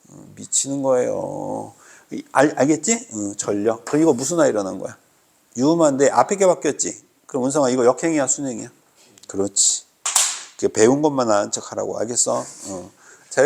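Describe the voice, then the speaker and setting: A man's voice: medium pitch, lively intonation, brisk, creaky, a little mellow. Teasing male teacher quizzing his class. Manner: teasing, mock-scolding, quizzing students constantly. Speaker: Korean language teacher. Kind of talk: classroom grammar lecture. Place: classroom with students.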